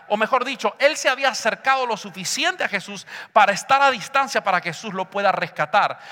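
A man with a very high, bright voice preaches an impassioned sermon in a church hall. He slips between Spanish and English and calls on the congregation to repeat after him. A long reverb trails his words through the room. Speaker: pastor.

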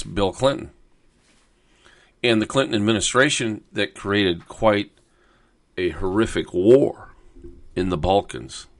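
A man's voice: low voice, fairly bright tone. A man hosting a talk radio show, delivering an emphatic, insistent monologue. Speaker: radio host.

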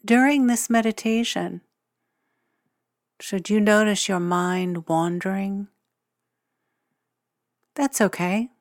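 A woman guiding a meditation in a gentle, soothing, unhurried way with long, measured pauses. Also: mid-range voice, no room sound, studio quality. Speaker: meditation guide and podcast host. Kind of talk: guided meditation narration.

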